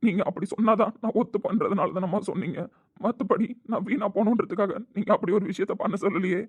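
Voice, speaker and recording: A man's voice: high voice, fast talker, breathy edge, dry recording. A man playing a grown son who apologizes to his mother, speaking over a phone line. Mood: remorseful. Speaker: son character. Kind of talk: scripted family drama.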